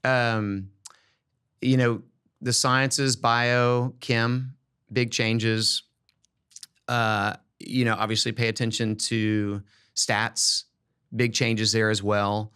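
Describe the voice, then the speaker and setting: A man's voice: medium pitch, level tone, drawn-out words, sharp tone, clear, resonant tone. A man hosting a podcast, giving casual advice and often repeating words as he thinks aloud. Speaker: podcast host.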